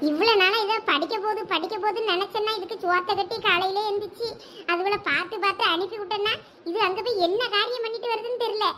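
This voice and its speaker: A woman's voice: fairly even intonation, fast, sharp tone, a little hiss or hum. A woman playing a furious, strict village mother who scolds. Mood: complaining. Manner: scolding, shrill threats.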